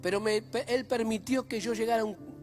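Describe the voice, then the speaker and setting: High-pitched male preacher, emphatic church sermon, soft music underneath. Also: steady tone, brisk. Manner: emphatic, swings between loud and hushed. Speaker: pastor.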